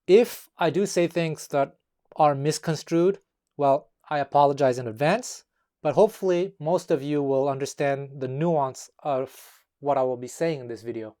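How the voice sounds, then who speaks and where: A man from Montreal, Quebec, with a slightly high voice talks straight to the camera about his background. Taiwanese was his first language, and he picks his words with care and fills his pauses with um and uh. He has the relaxed, thoughtful pace of a guitar teacher explaining something to his students. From Montreal, Quebec, Canada. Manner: measured, careful with his words, with frequent um and uh. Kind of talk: talking-to-camera video essay.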